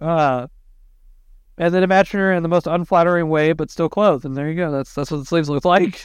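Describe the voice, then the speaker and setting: Over a quiet background, a man talks at a very fast pace with a high pitch. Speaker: podcast co-host. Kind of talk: casual chat.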